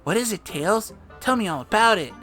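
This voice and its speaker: A woman's voice: mid-range voice, expressive, normal speed, a bit bright, soft background music, voice pushed up, close to an everyday voice. A woman voicing an eager, polite young female cartoon rabbit in a storybook reading, agreeable and matter-of-fact.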